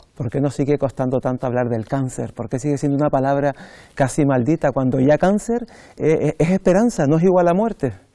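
A man talks at a fairly quick pace with lively intonation and a fairly high pitch. His tone is dark and mellow, against a quiet background. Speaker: interviewer. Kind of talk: interview. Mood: warm, engaged, conversational. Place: studio. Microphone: lapel.

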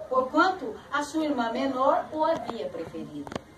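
A woman's words come very slowly through noticeable background noise. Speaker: elderly church member reciting. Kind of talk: poetry reading. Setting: home visit. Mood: solemn, emotive storytelling. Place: home room. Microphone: camera far.

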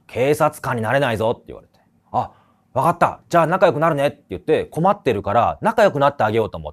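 Very fast and fairly high-pitched, a man talks with very wide pitch swings and big swings in loudness. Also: quiet background. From Okayama, western Japan. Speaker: ghost-story teller. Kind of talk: spoken ghost story. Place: studio. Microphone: lapel.

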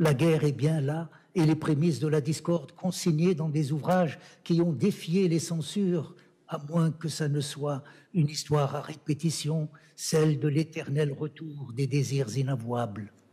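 A man talks at a moderate pace with fairly even intonation and a fairly high pitch, somewhat breathy and dark, mellow in tone. The background is quiet. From Algeria. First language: French. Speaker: poet. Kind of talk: poetry reading. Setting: stage with audience. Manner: halting. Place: hall. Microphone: podium.

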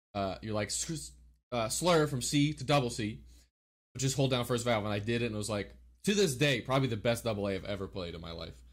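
Lively intonation marks this man's speech in an American accent. His medium-pitched voice has vocal fry. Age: 20s. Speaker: podcast host. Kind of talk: interview.

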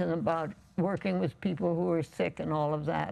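A woman's fairly low voice has a dark, mellow tone and vocal fry. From India. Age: 80s+. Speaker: holistic physician and author. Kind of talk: interview answer. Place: studio.

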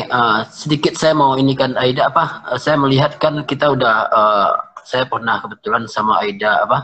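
A man with lively intonation at a moderate pace. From Indonesia. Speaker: radio show host. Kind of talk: casual interview. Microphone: video call.

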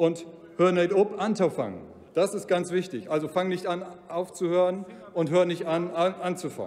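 A high-pitched man at a moderate pace. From East Frisia, Germany. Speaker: member of parliament. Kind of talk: parliamentary speech. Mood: light, humorous asides. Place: hall. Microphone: podium.

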